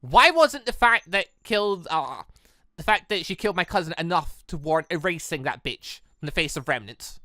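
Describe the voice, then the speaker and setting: A man's voice: a little high, very animated, normal speed, pushed and bright, dry recording, studio quality. A man voicing a grieving, stubborn young huntress in a visual novel, emotional and insistent. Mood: bitter.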